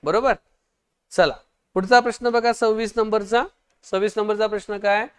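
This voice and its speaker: A man teaching an online exam-prep lesson, quizzing viewers, urging quick answers and praising their comments. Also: high-pitched, steady tone, clear, resonant tone.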